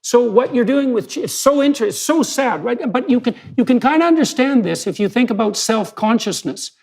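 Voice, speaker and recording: A man's voice: extremely high pitch, animated, brisk, darkish tone. A man talking bluntly and emphatically as a guest in a conversational interview, with some mild swearing.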